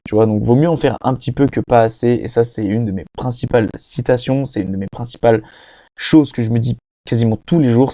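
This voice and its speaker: A man's voice: medium pitch, warm tone, dry recording, studio quality. A young man hosting a casual self-help podcast, talking straight to the listener in a rambling way, full of fillers and restarts. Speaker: podcast host.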